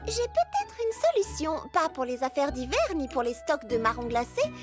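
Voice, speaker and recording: A very high, swooping little-girl cartoon voice. She is bubbly, kind and encouraging, a born leader who takes her time over her words, with music playing underneath. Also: big pitch swings, normal speed. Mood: upbeat. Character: cheerful young girl, kind eager leader of her friends. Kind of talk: French cartoon dub acting.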